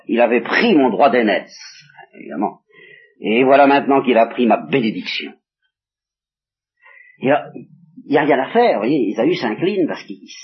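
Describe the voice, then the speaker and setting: A man's voice: lowish voice, husky. A man reading a Bible story aloud and stopping to explain it to his listeners, on an old 1960s tape. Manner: reads quoted speech with small voice changes, breaks off to explain. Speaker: Bible teacher. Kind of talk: reading and commenting scripture to listeners. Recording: dull lo-fi 1960s tape recording.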